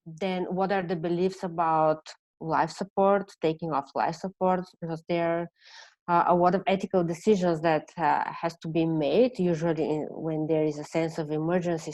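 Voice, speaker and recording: A woman from Bulgaria with a Bulgarian accent presenting an online seminar, speaking haltingly as she searches for words in non-native English. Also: deep voice, darkish tone, no room sound, poor audio. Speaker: presenter, counselor.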